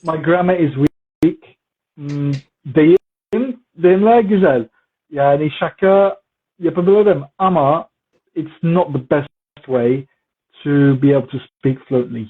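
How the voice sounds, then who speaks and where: Brief: man, language teacher, husky, slightly high voice, tinny phone-like sound. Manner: relaxed, repetitive for emphasis, mixes in Turkish words. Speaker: English teacher interviewed as guest. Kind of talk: casual conversational Q&A. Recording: muffled phone-like audio.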